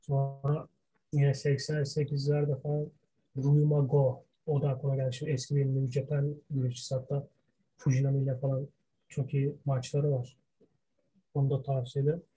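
Male co-host, very mellow and husky, chatting casually in imperfect Turkish, hunting for words, dropping in English. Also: medium pitch. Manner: self-described poor Turkish, gropes for Turkish words, mixes in English terms. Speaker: podcast co-host. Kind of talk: casual wrestling history discussion.

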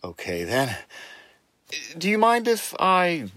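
An actor playing an amiable, calm Catholic priest in a radio play, speaking in a reassuring way. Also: male voice, high-pitched, slow, no echo, full character voice. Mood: friendly.

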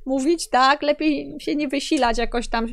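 A woman's voice: high-pitched, fairly even intonation, normal speed, vocal fry. A woman interviewing a guest, chatty and given to laughing. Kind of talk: casual interview talk.

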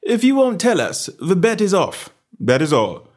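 A man puts on a shrewd gentleman detective from a classic storybook, pitched up and animated. He sounds genteel and self-assured, carelessly goading whoever he talks to. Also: moderate pace.

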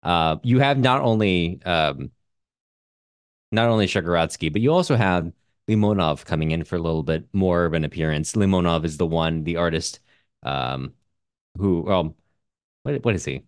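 A man co-hosting a book podcast in casual discussion, halting and correcting himself as he thinks aloud. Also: deep voice, clear, resonant tone, no room sound, clean studio sound. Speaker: podcast co-host.

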